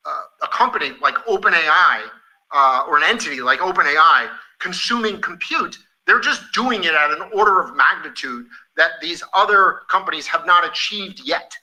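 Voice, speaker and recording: Answering on an earnings call, a male executive sounds expressive, with a very bright, sharp, somewhat high voice at normal speed. His delivery is emphatic and enthusiastic, with occasional halts and repetitions as he works toward his point, and the recording is rough.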